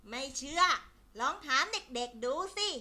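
A woman's voice: high-pitched, expressive, measured pace, sharp tone, pitched below the performer's own voice, full character voice. A woman doing a stern little ant. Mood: scolding. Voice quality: stern, lecturing. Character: diligent scolding little ant. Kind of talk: children's storybook voice acting.

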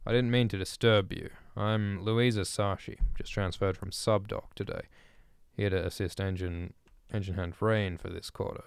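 A man's voice: lowish voice, fairly even intonation, normal speed, gravelly, smooth, no room sound, clean studio sound. A man voicing a curt, assertive young woman mechanical officer in a story he is writing, speaking in a clipped, firm way.

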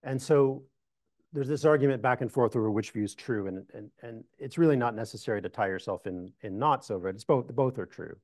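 A middle-aged man, a historian, answering audience questions in a meeting room, measured and thoughtful with frequent restarts. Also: mid-range voice, darkish tone, no room sound, clean studio sound. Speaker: historian giving a talk. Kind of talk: lecture Q&A answers.

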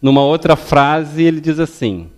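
A man's voice: a little high, a little slow. An older man standing in a lecture hall giving a public religious talk, teaching step by step and often checking that the audience follows. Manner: didactic, ends phrases with checking questions; stands and gestures while speaking. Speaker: lecturer at a spiritist center.

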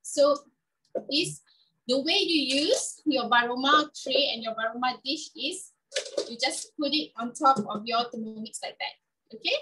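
A woman's voice: sits high, unhurried, pushed and bright, far from the mic, poor audio. A woman giving a chatty live cooking demonstration in a kitchen, often checking in with "okay?".

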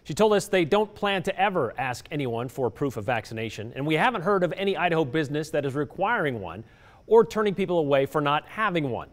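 A man's voice: a little high, big pitch swings, quick pace, in a large hall. A middle-aged man presenting a scripted TV news report in a studio, with an emphatic anchor delivery. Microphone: lapel mic.

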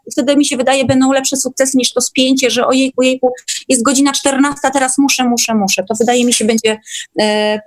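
A woman's voice: high-pitched, fairly even intonation, fairly quick. A woman speaking as a guest in an online meeting, chatting informally and often checking that the listener follows. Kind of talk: casual chat.

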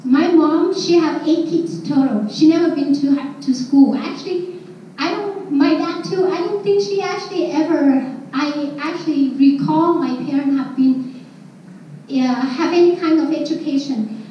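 A woman's voice: high voice, a little slow, a little hiss or hum. A woman from southern Vietnam with a Vietnamese accent, speaking with a handheld mic to a large conference room, joking and candid. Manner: lively, joking, candid about cussing. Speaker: speaker at a real estate training. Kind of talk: presentation to an audience. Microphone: handheld mic, filmed from far back. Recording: echoey room from far off, dull.

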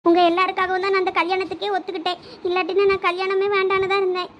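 A woman's voice: very high-pitched, little pitch movement, racing, a bit bright, lo-fi sound, a little hiss or hum. A woman playing a young bride who cries the night before her wedding, in a village drama skit. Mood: tearful. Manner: tearful, pleading.

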